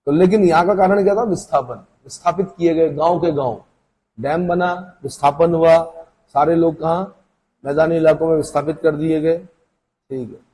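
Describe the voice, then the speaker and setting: A man's voice: a little high, fairly even intonation, normal speed, warm tone, breathy edge, low-quality recording. A man teaching an exam-prep class, lecturing casually and asking questions that he answers himself. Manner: conversational, asks questions and answers them himself.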